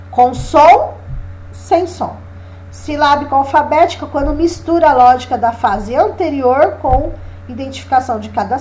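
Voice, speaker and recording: High-voiced woman teaching. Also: darkish tone, a little hiss or hum. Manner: explanatory, checks in with "né?" and "tá?". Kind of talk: exam review lesson.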